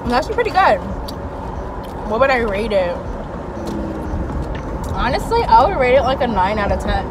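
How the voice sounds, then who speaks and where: A woman's voice: on the high side, very animated, moderate pace, long pauses, background noise. A teenage girl giving a casual, upbeat food review while talking with her mouth full. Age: teens. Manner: upbeat, chatty, loud. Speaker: vlogger.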